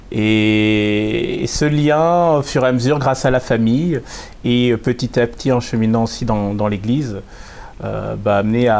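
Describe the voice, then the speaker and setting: Male priest, middle-aged, from France, low voice, hesitant testimony with fillers, faint background rumble. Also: creaky, darkish tone. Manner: halting, repeats words, many fillers. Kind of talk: personal testimony in an interview.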